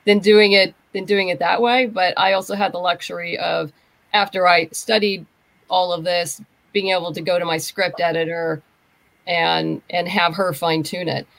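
A woman's voice: lowish voice, steady tone, normal speed, creaky, a bit bright, dry recording. A woman speaking casually as a guest in a panel conversation about her work. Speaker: guest, writer. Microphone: video call.

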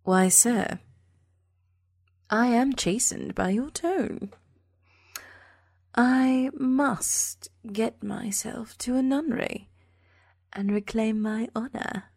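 An actress playing a sharp-tongued, sardonic woman lover in an audio drama, expressive and prone to swearing. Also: a little high, extremely slow, vocal fry, long pauses, heavily acted. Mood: teasing, amused. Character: sharp-tongued, foul-mouthed woman lover, wry then furious.

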